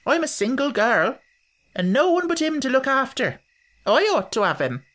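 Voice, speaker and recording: An eager young gypsy girl from a storybook pleads in a high voice, as the reader puts her on. Her pitch is lifted far above the narration. She sounds wheedling and earnest. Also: sing-song, moderate pace, fairly bright tone.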